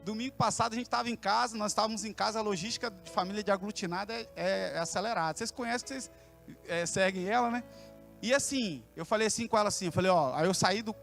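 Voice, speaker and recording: A man's voice: sits high, fast talker, gravelly, a bit bright, soft background music. A man preaching with a Brazilian Portuguese accent in a church service, telling stories in a colloquial, humorous way. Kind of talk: sermon.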